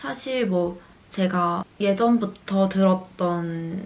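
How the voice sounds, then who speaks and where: With a strong Busan accent, a woman speaks at a medium pitch with ordinary pitch variation. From Busan, South Korea. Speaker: medical student vlogger. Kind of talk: Q&A vlog talk.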